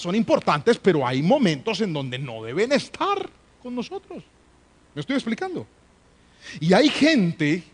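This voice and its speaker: A preacher with a high voice delivers a sermon to a congregation. He builds repeated lines to emphatic peaks and calls for the crowd to respond. His voice rings out with a long reverb tail from a large church hall. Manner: rising into emphatic, near-shouted refrains; asks the congregation to respond and raise hands.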